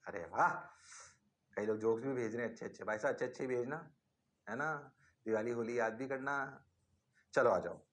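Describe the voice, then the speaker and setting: A man teaching physics in an online class, energetic and coaxing, repeating prompts to his students. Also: medium pitch, fairly quick, long pauses, roomy sound.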